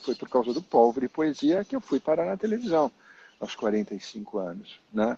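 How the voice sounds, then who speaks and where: This man has an ordinary speaking voice, with a fairly high pitch and a moderate pace. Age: 60s. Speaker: actor. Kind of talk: interview. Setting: video call.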